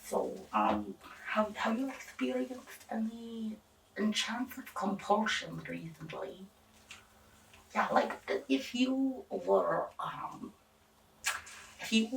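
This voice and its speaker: A woman playing an eccentric, fussy medical examiner in an ASMR roleplay, talking in a halting, rambling, repetitive and reassuring way. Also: medium pitch, gravelly, far from the mic, a little hiss or hum, rough recording. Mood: inquisitive, hesitant. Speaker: ASMR performer.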